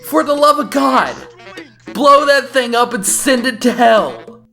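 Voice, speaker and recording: Animated, sarcastic woman reviewing games. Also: a little high, a little slow, vocal fry. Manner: sarcastic, exclamatory. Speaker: video game reviewer. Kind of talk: casual reaction commentary. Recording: voice-over with faint game music.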